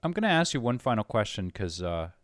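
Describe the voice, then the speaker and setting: A man's voice: on the low side, very animated, fairly quick, dry recording. A man hosting a casual conversational interview, agreeable, feeling his way hesitantly through his questions.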